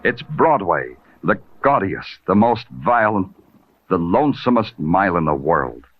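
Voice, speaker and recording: A man's voice: low voice, big pitch swings, a little slow, slightly rough, heavily acted. An actor playing a terse, hard-boiled male police detective who also narrates a 1940s radio drama in a brooding way. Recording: muffled old radio recording with loud music.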